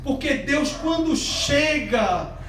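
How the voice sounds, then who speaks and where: A man preaching a sermon, telling a story with animated bursts of shouting and singing. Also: very high voice, slow, a little hiss or hum. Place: church. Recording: echoey church hall miked from a distance.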